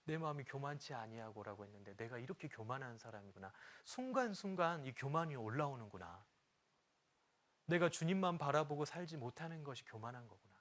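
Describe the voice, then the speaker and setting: A man's voice: mid-range voice, expressive, a little fast, a bit bright. A middle-aged man preaching a sermon to church teachers, reading scripture aloud and telling personal stories with humor. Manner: sings a hymn line briefly. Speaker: pastor.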